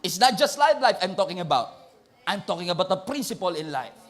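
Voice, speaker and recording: A male pastor with a Filipino accent preaching a sermon, mixing Tagalog and English, loud and emphatic. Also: sits high, very animated, brisk.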